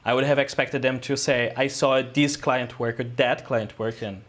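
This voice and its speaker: A man's voice: mid-range voice, steady tone, moderate pace. A man, a guest filmmaker telling a story in a casual interview, rambling loosely with lots of "uh" and "um". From Brazil.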